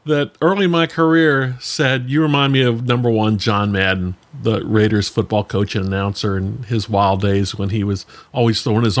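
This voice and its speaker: A man co-hosting a podcast, talking in an animated, casual way with self-deprecating asides. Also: mid-range voice. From Virginia, US. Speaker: podcast co-host. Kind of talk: casual conversational talk.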